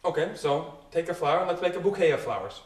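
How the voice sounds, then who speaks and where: A man who is a native English speaker, explaining ideas through everyday examples and questions in a casual two-person talk. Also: fairly high pitch. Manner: leads with examples, asks questions, quick and animated. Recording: roomy echo, a bit far from the mic.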